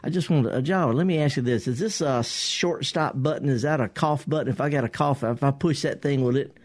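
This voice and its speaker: A man hosting a gardening call-in radio show, his voice husky from pollen, folksy and rambling. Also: medium pitch, a little fast, no room sound, studio quality. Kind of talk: casual radio call-in talk. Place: radio studio. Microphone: studio microphone.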